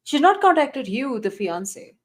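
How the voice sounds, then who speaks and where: A woman's voice: high voice, big pitch swings, moderate pace. A woman co-hosting a casual commentary show, reacting briefly and informally to recordings. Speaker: podcast co-host.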